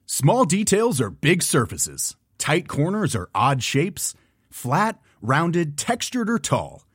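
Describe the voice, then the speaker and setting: A man with a husky, fairly high voice reads a commercial, his pitch leaping widely up and down. The sound is dry and close. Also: huge pitch swings, takes it slowly, fairly bright tone, no echo. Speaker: announcer. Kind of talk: scripted commercial read.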